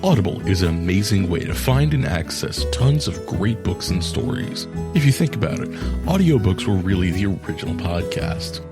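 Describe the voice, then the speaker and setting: A man's voice: low voice, big pitch swings, moderate pace. A man reading a scripted podcast advertisement. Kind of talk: scripted ad read. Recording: very loud music under the voice. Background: music.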